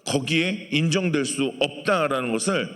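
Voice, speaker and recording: A man's voice: on the high side, normal speed, a bit bright. A man preaching a sermon to a congregation in a conversational way, asking the people in the pews questions. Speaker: pastor. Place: church sanctuary. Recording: long church hall reverb.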